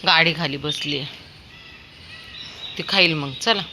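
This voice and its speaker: A woman's voice: low-pitched, measured pace, sharp tone, a little hiss or hum. A woman chatting casually while walking a dog outdoors on a sunny street, calling out in a coaxing, sing-song way to a toddler and the dogs. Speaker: dog owner vlogger.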